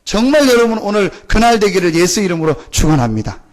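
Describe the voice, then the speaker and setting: High-pitched, intense male preacher. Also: sing-song, fast. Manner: intense, emphatic, earnest; repetitive rhetorical questions to listeners.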